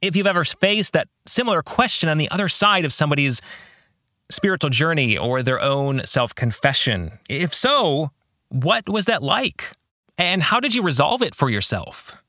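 Guy doing a thoughtful christian podcast, bright forceful voice, close dry sound, deliberate and earnest. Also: fairly high pitch, expressive, no echo. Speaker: podcast host and novelist. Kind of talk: reflective Christian podcast monologue.

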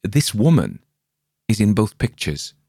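A man's voice: big pitch swings, unhurried, dark tone, slightly rough, dry recording, studio quality, exaggerated voice. A man voicing a nervous, frightened grown man who was shaken after a crash, reading in a dramatic audiobook style. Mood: insistent. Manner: agitated, high-pitched, pleading.

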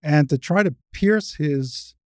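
Older American trans woman, low masculine-range voice. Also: slow pace, darkish tone, no room sound, clean studio sound. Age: 60s. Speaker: interview guest, trans rights advocate. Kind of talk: conversational interview, anecdotes and opinion.

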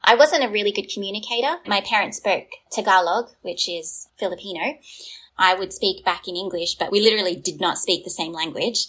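An Australian startup founder, guesting on a podcast, tells her life story candidly and reflectively, laughing lightly now and then. Her medium-pitched voice is brisk and a bit bright, with a breathy edge.

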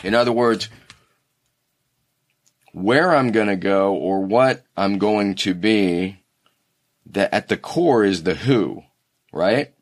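A man's voice: fairly low pitch, slow pace, pauses often. A man in casual conversation, telling a rambling story and restarting his sentences often. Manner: rambling, self-correcting storyteller.

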